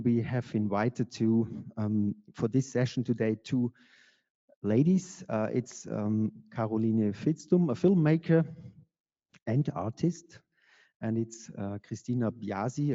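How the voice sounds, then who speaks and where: A man's voice: mid-range voice, warm tone, lo-fi sound. Hesitant man in a reverberant hall. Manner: halting, many fillers. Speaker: lecture series organizer and moderator. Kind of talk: hesitant spoken introduction. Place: lecture hall.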